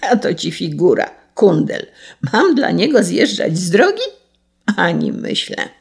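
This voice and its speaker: A woman voicing a cruel, hot-tempered male carter who shouts and wails in a raised, strained voice. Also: lowish voice, very animated, unhurried, gravelly, breathy edge, heavily acted. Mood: scornful.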